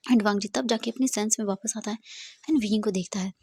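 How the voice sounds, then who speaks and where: A woman's voice: mid-range voice, steady tone, fast, darkish tone, husky. A woman narrating a fanfiction story dramatically, slipping English words into her narration.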